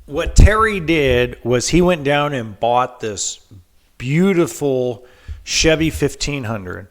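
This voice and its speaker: A man's voice: mid-range voice, expressive, slow. A man with a head cold hosting a podcast, telling a story in a casual monologue, full of ums and restarts. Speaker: podcast host.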